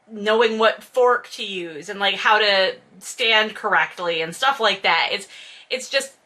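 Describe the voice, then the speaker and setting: A woman with a medium-pitched, sharp-toned voice reads and critiques a novel as host of a casual, comedic book commentary. She's exasperated and sarcastic, swearing and exaggerating throughout.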